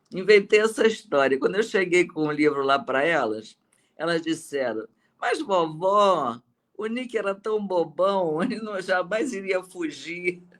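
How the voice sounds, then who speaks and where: Speaking at a fairly slow pace, a man with a high-pitched voice uses lively intonation. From Brazil, Rio de Janeiro. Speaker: children's author and retired teacher. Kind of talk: interview storytelling. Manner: animated.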